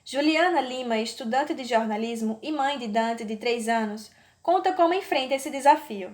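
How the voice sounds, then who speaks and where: Casting: Brazilian female reporter, high voice, scripted podcast narration. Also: animated, moderate pace.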